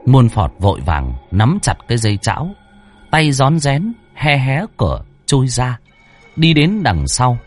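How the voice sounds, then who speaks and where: Guy narrating a spooky ghost story, husky voice, really lively delivery, soft music behind. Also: mid-range voice. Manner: dramatic, vivid storytelling.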